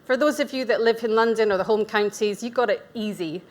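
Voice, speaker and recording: A brisk, fairly high-pitched woman in her forties from Scotland gives a conference talk at an event venue as a nutrition practitioner. Her Scottish-accented delivery is chatty and candid, full of asides and self-deprecating humour.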